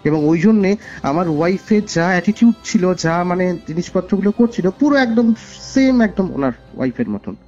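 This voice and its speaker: Earnest higher-pitched man with West Bengal accent. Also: expressive, moderate pace, darkish tone. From West Bengal, India. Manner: earnest, repeats phrases for emphasis. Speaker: caller sharing a personal ghost story. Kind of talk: conversational storytelling. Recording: dull lo-fi call recording over music. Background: music.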